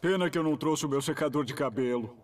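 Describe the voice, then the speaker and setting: A man's voice: a little high, quick pace, natural voice. A man voicing a jokey, sarcastic teenage boy in a cartoon. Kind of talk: cartoon voice acting. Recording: distant, loud outdoor ambience.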